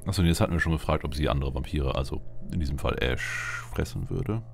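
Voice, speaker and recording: Very deep, creaky-voiced man. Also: fast talker. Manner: musing, thinking aloud. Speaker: let's player. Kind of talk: casual roleplay gameplay commentary. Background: game music.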